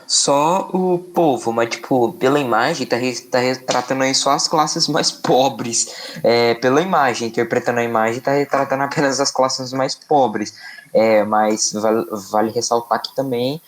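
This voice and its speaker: Young Brazilian guy student, mid-pitched, hesitant, restarts often. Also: unhurried. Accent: Brazilian Portuguese. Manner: hesitant, many fillers and restarts. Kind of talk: class discussion.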